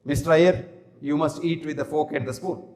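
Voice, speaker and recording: A man's voice: fairly high pitch, fairly even intonation, normal speed, a little mellow, in a large hall, lightly acted. Stern English landlady insisting on cutlery, quoted by an Indian man. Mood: insistent. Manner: insistent, scolding. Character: stern English landlady pushing table manners.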